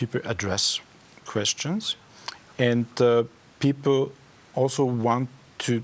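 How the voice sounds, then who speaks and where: Speaking very slowly with long, frequent pauses, a man with a German accent has a medium pitch and ordinary pitch variation. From Austria, Styria. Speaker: company director. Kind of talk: TV interview. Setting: studio.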